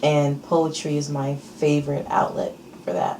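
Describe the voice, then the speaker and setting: Amid noticeable background noise and audible room echo, a woman speaks with a very deep, low pitch. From Jamaica, moved to US at eight. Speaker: vlogger. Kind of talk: casual chat.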